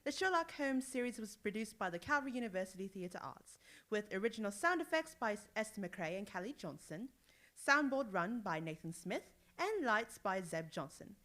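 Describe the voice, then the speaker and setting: A woman announcer reading a scripted sign-off in an animated, presentational way, in the style of an old-time radio show. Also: mid-range voice, moderate pace.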